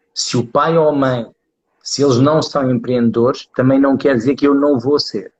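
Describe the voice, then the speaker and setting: A man with a European Portuguese accent, fairly even intonation and a fairly slow pace. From Portugal. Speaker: entrepreneur and trainer. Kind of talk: interview storytelling. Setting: Instagram live video. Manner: halting, many fillers.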